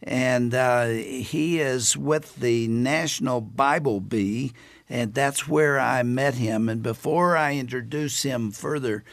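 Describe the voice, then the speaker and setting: Slow-talking older male radio host. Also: mid-range voice, creaky, no room sound. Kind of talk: radio interview. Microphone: studio microphone.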